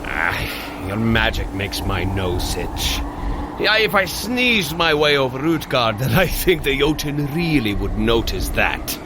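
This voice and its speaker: Good-natured warrior god: bold, formal, lively swings in pitch, leisurely, noisy adventure-drama backdrop. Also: male voice, a little slow. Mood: teasing, breezy. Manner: hearty, formal archaic phrasing. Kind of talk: scripted audio adventure drama acting.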